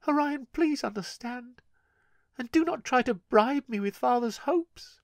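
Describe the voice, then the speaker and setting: Man doing a young girl voice, desperate, defiant, pleading, high-pitched, slow delivery. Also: dry recording, clean studio sound, heavily acted. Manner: pleading, high and breathy in places.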